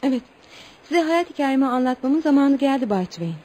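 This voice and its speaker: A woman's voice: sits high, lively intonation, a little fast, mellow. An actress playing a wistful young tribal woman, a rich man's daughter, speaking earnestly and formally in radio theatre. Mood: troubled, earnest.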